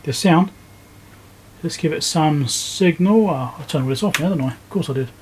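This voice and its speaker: Man with a higher-pitched voice, noisy recording. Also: moderate pace. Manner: informal, thinking aloud while working. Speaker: electronics repair video host. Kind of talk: casual hands-on repair walkthrough. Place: indoor electronics workbench.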